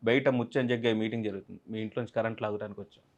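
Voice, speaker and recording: A man's voice: on the low side, very fast. Guy w telling a story from a film set, acts out everyone's lines. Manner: animated, acts out others' lines in quotes. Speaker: actor guest. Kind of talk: interview storytelling.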